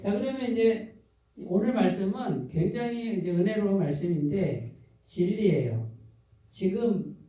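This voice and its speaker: A pastor with a Chungcheong accent gives a midweek sermon. The pastor keeps putting questions to the congregation, answers them, and repeats key phrases slowly and softly for emphasis. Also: mid-range voice, expressive. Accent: Chungcheong Korean. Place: church sanctuary. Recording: very echoey hall, voice from a distance.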